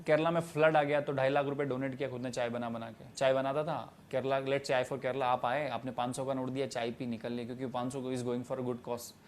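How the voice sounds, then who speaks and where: A man's voice: mid-range voice, little pitch movement, fairly quick, few pauses. A young man in his twenties giving emphatic, preachy interview answers about starting a tea stall business, dropping in English phrases. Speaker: guest, tea stall entrepreneur.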